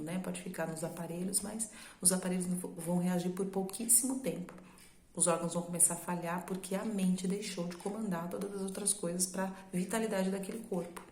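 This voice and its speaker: A woman's voice: on the low side, a little mellow, echoey room. A woman with a Brazilian Portuguese accent, preaching a sermon in a conversational, explaining way that uses rhetorical questions. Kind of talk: sermon teaching.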